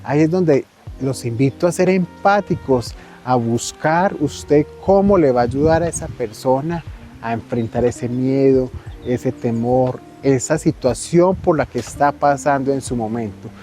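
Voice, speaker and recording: A man's voice: medium pitch, a little slow, mellow, soft background music. A man giving a conversational mental health talk, often acting out quoted voices. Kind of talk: casual advice talk on local TV.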